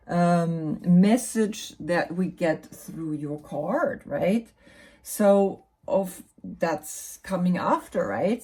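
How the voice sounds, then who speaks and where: A woman with a German accent, explaining tarot cards in a relaxed, musing way, with lots of fillers and tag questions. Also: fairly low pitch. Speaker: tarot reader and yoga teacher. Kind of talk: casual explanatory talk about tarot cards.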